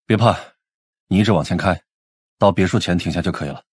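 Cool, cocky cop, acted by a male narrator: low-pitched, commanding, dry close recording. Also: quick pace, breathy edge, no echo. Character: cocky, cool, trigger-happy young male police detective.

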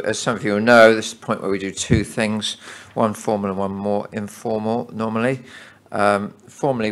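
Deep gravelly man chairing a meeting. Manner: hesitant, many fillers. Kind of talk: formal meeting address. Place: meeting hall.

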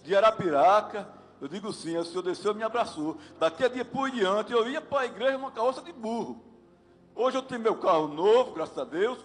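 Man, high pitch, heartfelt witness, reverberant church. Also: expressive, brisk, slight background noise. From Alagoas, Brazil. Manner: earnest storytelling, quoting himself. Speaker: congregant giving testimony. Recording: long hall reverb.

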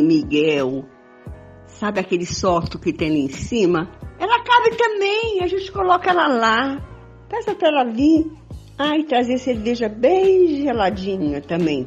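Melodramatic, jealous soap wife played by an older woman: husky, very animated, begging, on a lo-fi recording with music behind. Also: on the high side, full character voice. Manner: pleading, melodramatic, repetitive. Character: pleading, jealous wife, melodramatic but accommodating. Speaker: amateur participant in a radio play. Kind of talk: improvised amateur radio soap opera acting. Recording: dull lo-fi audio with music.

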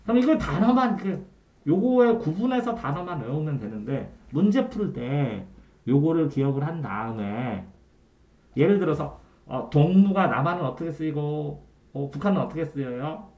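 Lively Korean man tutoring a student. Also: a little high, normal speed, muffled recording. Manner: quizzing the student with frequent checks for understanding; trailing off quietly at the ends of phrases. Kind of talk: one-on-one Korean grammar tutoring. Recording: echoey room.

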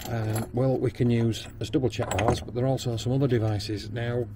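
A man with a Northern English accent, a plumber and backflow tester, explains a plumbing task step by step during a practical training demo at his workshop bench, umming and restarting often. His voice is medium in pitch, level and fairly quick, with background noise.

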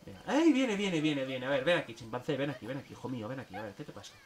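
A man streaming a zoo game, chatting casually and coaxing the animals in a playful, excitable way. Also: medium pitch, rapid-fire, far from the mic, a little hiss or hum. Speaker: gameplay streamer. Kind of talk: casual gameplay commentary.

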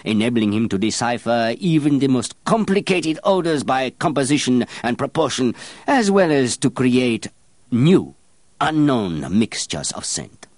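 A man's voice: mid-range voice, no echo, voice pushed up. A man voicing a stern, pompous master perfumer who lectures and scolds a young apprentice. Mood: lecturing. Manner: haughty, lecturing, rising to shouts.

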